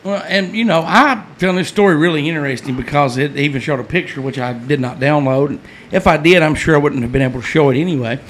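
A man's voice: a little high, fast talker, a bit bright, a little hiss or hum. A man co-hosting a podcast, chatting in an easygoing way and laughing often. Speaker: podcast co-host. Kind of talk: casual chat.

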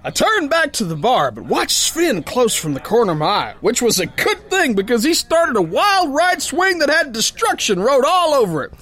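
A cocky sailor and prizefighter played by a man in a pulp radio drama. His high-pitched voice swings widely up and down as he boasts in folksy slang, dim but good-hearted. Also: big pitch swings, moderate pace, few pauses, a bit bright, exaggerated voice. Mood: wry storytelling. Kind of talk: first-person pulp radio drama narration and dialogue.

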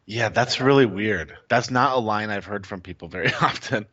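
A man's voice: lowish voice, moderate pace, fairly bright tone, slightly rough, no room sound, dull audio. A man appearing as a guest, analyzing poker strategy casually and thinking aloud with many "like"s.

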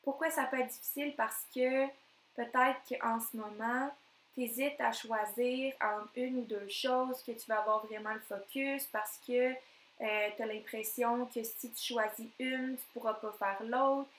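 Québécois woman coach, solo podcast, energetic and emphatic, slightly high voice, echoey room. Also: a little slow. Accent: Québécois French. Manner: energetic, emphatic, repeats phrases for effect. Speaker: NLP coach.

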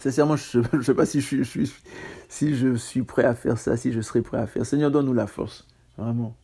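A man's voice: mid-range voice, fairly even intonation, fairly quick, vocal fry, warm tone, breathy edge. A man preaching a casual sermon on scripture, talking conversationally with self-mocking asides and stammered restarts.

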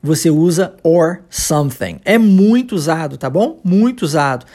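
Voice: medium pitch, expressive, dark tone. Patient Brazilian English teacher. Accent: Brazilian Portuguese. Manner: patient, explains step by step and repeats phrases slowly. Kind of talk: podcast language lesson.

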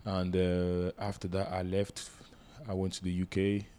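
A man in his thirties from Cameroon, answering interview questions with many pauses and fillers. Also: deep voice, monotone, warm tone. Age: 30s. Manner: hesitant, many fillers and restarts. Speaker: guest entrepreneur.

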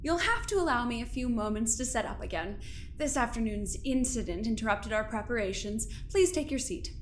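A woman's voice: a little high, expressive, brisk, slight background noise, close to an everyday voice. A woman playing a cold, imperious scientist in an audio drama, clipped, formal and impatient.

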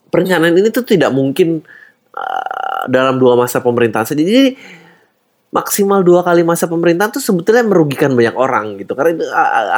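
A man's voice: on the high side, darkish tone. A man hosting a podcast, delivering an exasperated, ranting satirical comedy monologue with English swearwords mixed into his slang. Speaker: podcast host.

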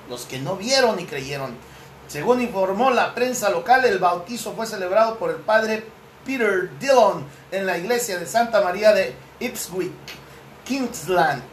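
A man hosting a casual Catholic talk show, chatting with a co-host, joking and laughing often, and reading news aloud. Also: high-pitched. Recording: roomy with faint background noise.

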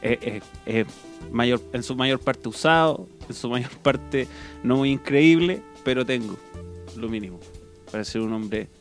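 A Chilean man co-hosting a casual comedy podcast, sarcastic and quick to swear. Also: mid-range voice, faint music behind. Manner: sarcastic, swearing, laughs easily. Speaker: podcast co-host.

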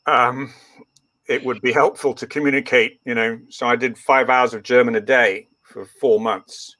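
Bright-voiced older man, rambling. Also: medium pitch, fairly even intonation, normal speed, dry recording. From East Africa. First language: Swahili. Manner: rambling, full of ums and restarts. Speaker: guest, veterinarian. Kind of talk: relaxed interview storytelling.

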